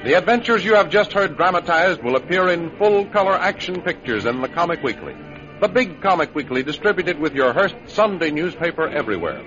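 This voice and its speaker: A male announcer narrating and reading sponsor copy in smooth, measured 1930s radio announcer style. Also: a little high, big pitch swings. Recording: dull old radio recording with music.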